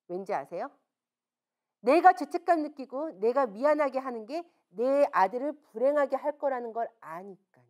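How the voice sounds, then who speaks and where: A woman's voice: sits high, a little mellow. A woman speaking at a seminar, telling stories frankly and asking the audience rhetorical questions with emphasis. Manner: frank, conversational storytelling. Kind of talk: seminar lecture.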